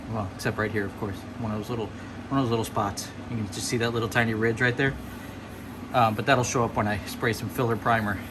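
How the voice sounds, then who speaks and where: A man's voice: mid-range voice, background noise. A young man, out of breath, casually walking through his car body work in a garage and proudly pointing out details. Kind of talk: casual walkaround video log. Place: garage or workshop beside a car.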